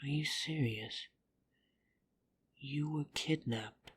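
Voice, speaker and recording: A woman's voice: low-pitched, slow, a little hiss or hum. A woman playing a defiant, caring vampire in an audio drama, protective and bluntly sarcastic. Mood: tender, sheepish. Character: defiant, caring female vampire in love with an angel.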